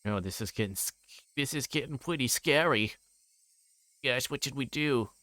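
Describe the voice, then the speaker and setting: A man's voice: medium pitch, normal speed, sharp tone, no echo. A man livestreaming a visual novel, reading aloud and chatting casually with viewers.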